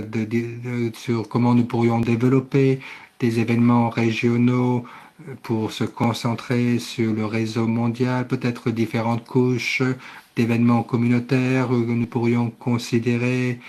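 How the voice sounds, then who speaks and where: A man interpreting a conference session live, speaking haltingly and often correcting himself. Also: mid-range voice, darkish tone. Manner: halting delivery with self-corrections. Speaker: simultaneous interpreter.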